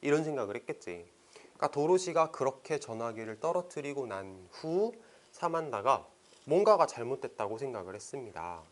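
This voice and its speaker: Lively male English tutor. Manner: explains line by line, reads English sentences slowly; lively pitch, casual teacher's speech. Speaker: English teacher. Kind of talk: exam passage explanation lesson.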